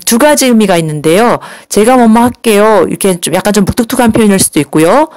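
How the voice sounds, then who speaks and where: A woman teaching an English lesson, explaining politely and patiently, slowing down to model phrases for learners to repeat. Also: mid-range voice, a little mellow, no room sound, studio quality. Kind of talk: recorded language lesson.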